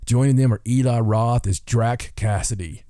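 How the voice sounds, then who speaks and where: A man's voice: medium pitch, normal speed, mellow, dry recording, studio quality. A man hosting a podcast in casual, rambling, jokey chat, full of enthusiasm. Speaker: podcast host.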